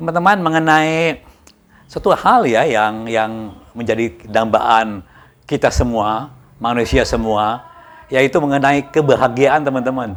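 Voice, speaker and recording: With a medium pitch and ordinary pitch variation, a man speaks at a fairly slow pace. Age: 60s. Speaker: cycling vlogger. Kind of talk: casual vlog talk. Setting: outdoors with cycling group. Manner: halting, many fillers.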